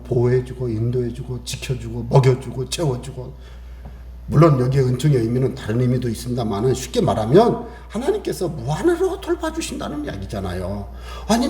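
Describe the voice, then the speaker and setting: Animated high-pitched male preacher. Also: reverberant. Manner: animated preaching, acts out prayers and dialogue. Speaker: pastor. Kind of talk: Sunday sermon.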